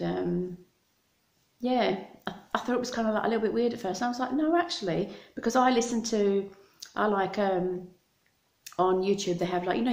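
In an echoey small room at home, a middle-aged Scottish vlogger with an English accent chats to her close-held phone camera. She has a fairly low, slightly mellow voice and rambles across topics, her mouth sounding dry.

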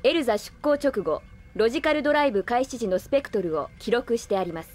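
A woman playing an emotionless female android in an anime audio drama, speaking in formal, precise, deadpan reports. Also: a little high, fast talker, faint music behind. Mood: detached.

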